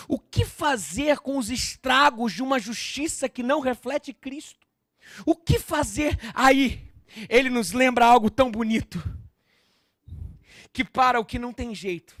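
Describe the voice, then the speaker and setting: High, bright-voiced impassioned male preacher. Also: dry recording, clean studio sound. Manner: impassioned preaching that builds to shouted appeals; acts out biblical scenes with voices. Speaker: pastor. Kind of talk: sermon.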